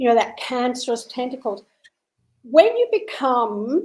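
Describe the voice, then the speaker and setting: With an Australian accent, a woman speaks very slowly at a high pitch. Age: 60s. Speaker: holistic healing guest speaker. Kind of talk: podcast interview.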